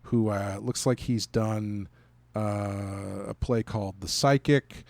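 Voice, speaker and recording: A man co-hosting a podcast, chatting informally about a review and halting as he searches for words. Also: lowish voice, steady tone, gravelly, a little mellow, dry recording. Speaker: podcast co-host. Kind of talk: casual review chat.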